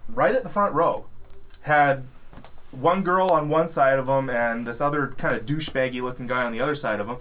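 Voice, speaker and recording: A man telling a long work story in a casual chat among coworkers, rambling with many ums and restarts. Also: medium pitch. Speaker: podcast co-host, security guard. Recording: tinny phone-like sound.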